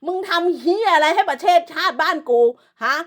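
A woman's voice: very high-pitched, lively intonation, fairly quick. A woman delivering an angry, profane, scolding rant as an online commentator, hurling insults throughout.

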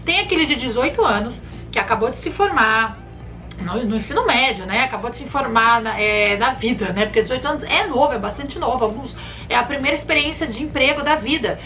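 A woman in her thirties from Brazil, a flight attendant giving casual advice to camera with lively gestures, recorded in a bedroom. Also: fairly high pitch, a little fast, faint music behind. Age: 30s. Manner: chatty, animated hand gestures, addresses viewers warmly by nicknames. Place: bedroom, indoors. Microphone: camera in front at chest framing.

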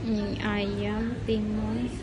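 A woman's voice: mid-range voice, flat delivery, very slow, over a noisy crowd. A woman, chatting upbeat through a restaurant food review vlog, filmed on a phone at arm's length. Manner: chatty, upbeat, keeps saying "guys", mixes in English words. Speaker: food vlogger. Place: indoor restaurant, cafe table. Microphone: phone camera at arm's length. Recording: loud background music.

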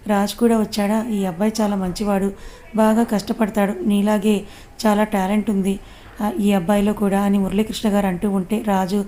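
Female narrator for a serialized romance, mellow tone, level delivery, does all the parts herself. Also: mid-range voice, little pitch movement, normal speed, slight background noise. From Telugu-speaking India. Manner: voices all the characters in her own plain voice. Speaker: storyteller. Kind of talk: reading a serialized romance story aloud.

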